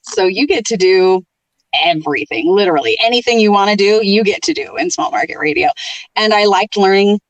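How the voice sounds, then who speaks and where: Woman, middle-aged, radio programmer, casual interview, lively storyteller, dry sound, a bit far from the mic. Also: mid-range voice, a little fast, dry recording, lo-fi sound. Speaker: radio programmer and on-air host, podcast guest.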